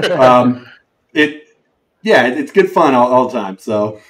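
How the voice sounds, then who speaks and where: A man's voice: medium pitch, animated, takes it slowly, a crowd in the background. Easygoing Texan man in his thirties. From born in Germany, raised in the US. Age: 30s. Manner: easygoing, self-deprecating, hesitant with fillers. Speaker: guest, IT business owner.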